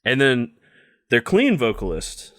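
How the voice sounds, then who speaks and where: A man's voice: mid-range voice, wildly swooping pitch, slow pace, a bit bright. A young man co-hosting a podcast in casual chat, giving blunt opinions peppered with "like" and swearing. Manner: blunt, heavy use of "like", swears freely. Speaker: podcast co-host.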